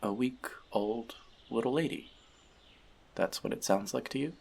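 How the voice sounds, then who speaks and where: A man playing a wise, teasing, gentle elf friend and magic mentor in a fantasy audio roleplay, talking conversationally and reflectively to the listener. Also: mid-range voice, unhurried, creaky, husky. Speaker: voice actor.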